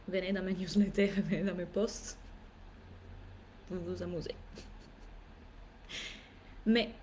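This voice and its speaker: A woman's voice: on the low side, takes it slowly, slight background noise. A woman business coach speaking French as a second language, giving a live masterclass talk that is emphatic and playful, repeating phrases for effect. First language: not French. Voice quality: animated, playful, theatrical asides.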